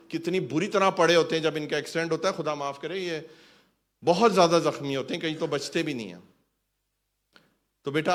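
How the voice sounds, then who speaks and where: A male pastor preaching a sermon in a church hall, emphatic, swinging between soft talk and loud calls of hallelujah. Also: mid-range voice.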